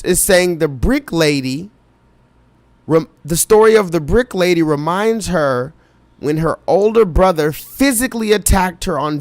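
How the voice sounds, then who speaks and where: Hosting a live reaction stream, a man reads viewer comments out loud and keeps pressing his chat with urgent, repetitive remarks, speaking to them directly. His voice sits on the high side and is a little mellow, with no room sound.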